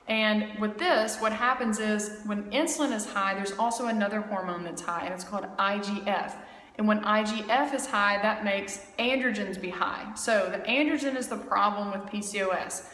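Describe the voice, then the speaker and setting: A woman's voice: mid-range voice, fairly bright tone. Chatty woman coach in an echoey room. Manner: chatty, emphatic, says "okay?" often. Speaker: health coach. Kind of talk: casual instructional talk to camera. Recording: echoey room with long reverb.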